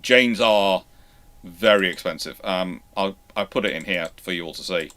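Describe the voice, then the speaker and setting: A man with a fairly low voice and a bright, forceful edge hosts a live question session. He talks off the cuff, rambling and often doubling back to restart a phrase. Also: moderate pace. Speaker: host of a naval history livestream. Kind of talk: unscripted livestream Q&A, answering viewer questions.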